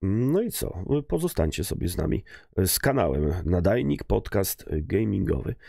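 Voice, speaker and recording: A man speaks at a very deep, low pitch with a dark, mellow tone and vocal fry. His intonation is lively, and the sound is dry with no echo. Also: moderate pace, quiet background. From Poland. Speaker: gaming youtuber; podcast co-host. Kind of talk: casual chat. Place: home room. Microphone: studio mic.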